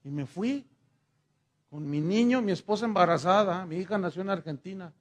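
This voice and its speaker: A man's voice: high voice, moderate pace. A middle-aged man with a Mexican accent, preaching a sermon in a conversational way and acting out the dialogue in his stories. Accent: Mexican Spanish. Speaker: pastor. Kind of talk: sermon with personal storytelling.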